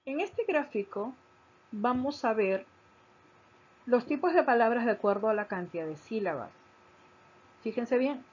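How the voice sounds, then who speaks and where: A woman teacher giving a recorded grammar lesson, explaining slowly, stressing key syllables and repeating her points. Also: on the high side, expressive. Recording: dull lo-fi recording.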